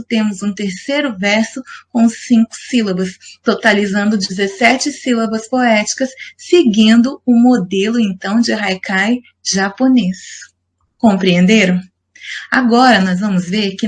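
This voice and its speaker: Patient woman teacher explaining. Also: medium pitch. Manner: patient, explanatory, asks the class rhetorical questions. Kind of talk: recorded online lesson.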